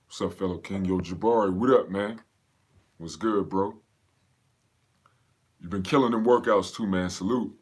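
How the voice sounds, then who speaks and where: A man's voice: low-pitched, a little slow, long pauses, a little mellow, slightly rough. A man from Pennsylvania, raised in North Carolina, casually hosting a live fitness Q&A and greeting viewers by name in a slangy, laid-back way. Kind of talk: casual livestream chat.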